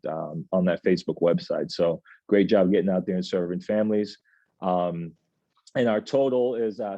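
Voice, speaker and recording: A man in his thirties hosting an office team meeting, reading out announcements in a relaxed, chatty way with plenty of filler sounds. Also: lowish voice, no room sound, lo-fi sound. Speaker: agency meeting host. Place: office meeting room, indoors.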